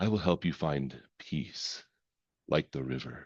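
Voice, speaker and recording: Using a put-on character voice, a man speaks in a husky, very deep, low pitch at a fairly slow pace. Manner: calm, soothing.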